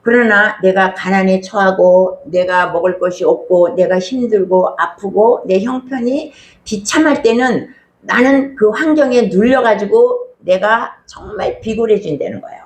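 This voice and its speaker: Woman preaching in an echoey hall. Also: medium pitch. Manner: conversational preaching, emphatic repetition, rhetorical questions. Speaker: pastor. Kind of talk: sermon.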